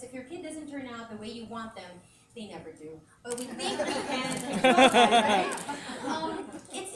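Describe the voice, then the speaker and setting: A woman speaks candidly and conversationally at a press conference. She laughs easily as she talks. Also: high-pitched. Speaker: radio host, brand ambassador. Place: large event hall. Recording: echoey hall, distant mic, ambient noise.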